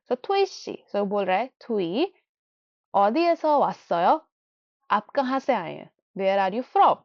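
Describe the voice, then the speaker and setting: Woman drilling words with slow repeats. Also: on the high side, no echo. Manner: repeats each word slowly several times as a drill; mixes Hindi and English while explaining. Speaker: Korean language teacher. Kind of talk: beginner language lesson. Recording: dull, muffled dry recording.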